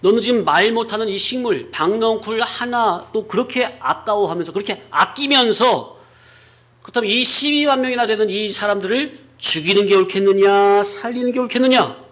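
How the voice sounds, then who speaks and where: Preacher playing God questioning a sulking prophet, patient, deliberate, high-pitched man. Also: fairly bright tone. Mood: reasoning. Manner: reasoning rhetorical questions.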